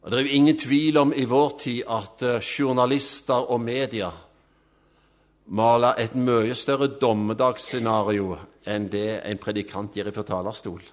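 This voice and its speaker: A man preaching a sermon, emphatic, rising to loud swells and dropping to soft, low endings. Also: fairly even intonation.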